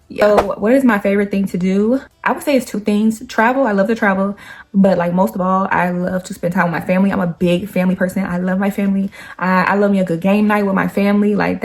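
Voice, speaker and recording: Girl in her twenties, chatty, slangy, laughs a lot, mid pitch. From Nashville, Tennessee. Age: 20s. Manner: chatty, laughs often, slangy asides to viewers. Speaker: YouTuber. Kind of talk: casual get-to-know-me chat.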